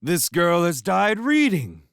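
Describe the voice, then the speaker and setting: A man's voice: high-pitched, wildly swooping pitch, takes it slowly, gravelly, no echo, studio quality, voice pushed up, heavily acted. A man voicing a soaked, very drunk fisherman who scolds people with theatrical mock outrage. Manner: slurred, theatrical, shouting.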